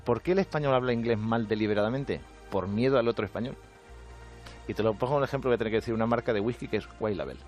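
A man's voice: mid-range voice, fast, a little mellow, faint music behind. A man from Spain doing a sarcastic comic monologue on radio with a Spanish accent. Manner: sarcastic, jokey, mimics other voices. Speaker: comedian.

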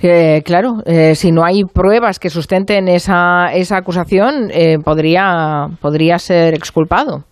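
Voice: medium pitch, measured pace, hardly any pauses, clean tone, no echo, studio quality. A radio host asking follow-up questions, with short acknowledgements between. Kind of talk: radio interview.

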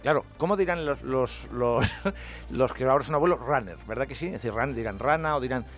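A man from Spain with a Spanish accent, delivering an animated, jokey comic monologue on a radio show. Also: mid-range voice, fairly quick, soft background music. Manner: animated, jokey, acts out quoted voices. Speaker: comedian with a radio segment. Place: radio studio.

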